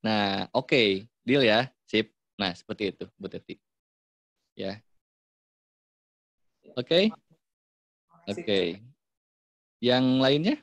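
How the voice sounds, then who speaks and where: A man with an Indonesian accent giving a casual online parenting talk, chatty and relaxed, acting out what parents and children say. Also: fairly low pitch, very slow, long pauses, no room sound. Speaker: parenting workshop speaker.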